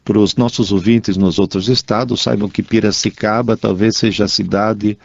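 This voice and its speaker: Italian accent guy chatting on radio, kinda low voice, dry muffled studio. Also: normal speed, creaky, no echo. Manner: lively, chatty, reads listener emails. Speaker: radio show co-host. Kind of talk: casual radio chat. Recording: dull, dry studio sound.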